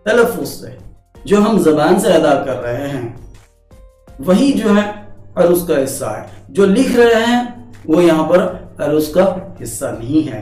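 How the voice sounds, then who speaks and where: A man's voice: a little high, darkish tone. A man teaching a lesson, patiently restating each point so it sinks in. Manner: patient, repeats each point to drive it home. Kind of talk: explanatory lesson on poetic meter. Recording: echoey room, distant mic, faint music.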